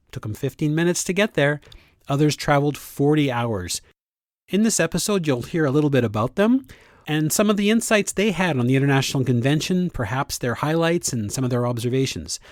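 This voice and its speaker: A man's voice: medium pitch, no echo, studio quality. A man hosting a podcast, opening with an upbeat scripted introduction. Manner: upbeat, enthusiastic. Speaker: podcast host.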